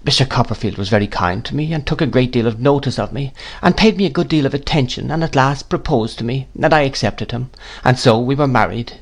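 A man's voice: medium pitch, brisk, vocal fry, hardly any pauses, voice pushed up. A man voicing a meek young widowed mother who answers faltering and apologetic. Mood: timid.

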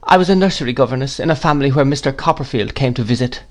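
A man's voice: medium pitch, rapid-fire, voice pushed up, close to an everyday voice. A man voicing a meek young widowed mother who answers faltering and apologetic. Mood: timid.

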